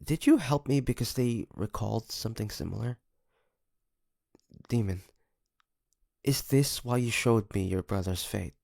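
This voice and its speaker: A man playing a weary, protective demon hunter in a dramatic audio roleplay, with halting, emotional delivery. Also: on the low side, expressive, vocal fry, darkish tone, clean studio sound, heavily acted. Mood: reflective, sad. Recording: roomy with long reverb.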